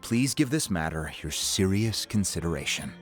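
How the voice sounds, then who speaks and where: A middle-aged tribal chief in a fantasy video game. The voice is very deep, with formal, earnest, dignified delivery. Soft music sits underneath. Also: male voice, big pitch swings, normal speed. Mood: solemn, earnest. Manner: formal, courteous, solemn.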